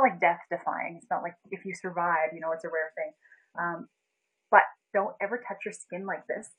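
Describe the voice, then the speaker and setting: A woman's voice: medium pitch, breathy edge, poor audio. Chatty young woman livestreaming. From Canada. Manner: chatty, animated storytelling, laughs often, reads out viewer names. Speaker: livestream host. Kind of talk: casual livestream chat with viewers.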